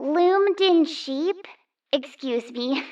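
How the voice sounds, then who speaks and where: A put-on character voice, squeaky and high in pitch. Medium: read story. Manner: formal.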